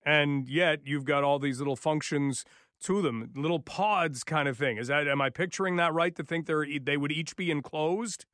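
A man's voice: fairly high pitch, normal speed, fairly bright tone, dry recording, studio quality. Upbeat male radio host. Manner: upbeat encouraging interviewer. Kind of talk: radio interview.

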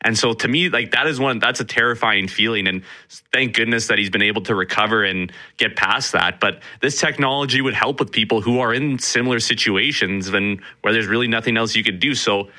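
Male radio reporter, very bright tone, loose rambling chat. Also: on the low side, fairly quick. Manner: animated, laughs easily, rambling. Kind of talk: casual radio talk.

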